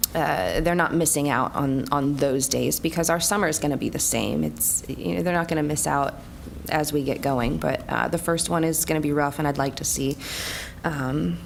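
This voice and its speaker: Her pitch is very deep and low, and her intonation lively. The woman speaks at a moderate pace amid noticeable background noise. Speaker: school board member. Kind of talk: public meeting statement. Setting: board meeting room.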